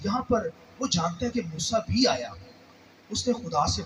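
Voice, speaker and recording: A man speaks in a raised, projected voice with very wide pitch swings over noticeable background noise. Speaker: preacher. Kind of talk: church sermon.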